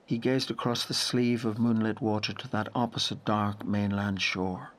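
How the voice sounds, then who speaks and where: An actor playing a grave, intense narrator in a literary audio drama, measured and full of dramatic pauses. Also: male voice, fairly low pitch, fairly even intonation, close to an everyday voice. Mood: hushed wonder. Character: grave narrator haunted by a wild lake memory.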